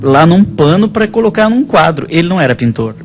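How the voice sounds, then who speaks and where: A man with a Brazilian accent, a priest, talking conversationally about faith and telling stories in a halting, rambling way. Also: a little high, very animated. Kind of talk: conversational religious storytelling. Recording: music playing behind the voice.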